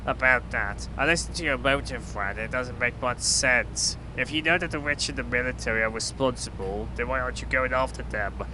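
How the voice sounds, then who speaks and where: Man acting a flippant superhero, noisy rumbling recording. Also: fairly quick, few pauses, natural voice. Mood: deadpan. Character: blunt, flippant male superhero, once a toy bird. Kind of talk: amateur audio drama acting. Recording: clearly noisy with low rumble.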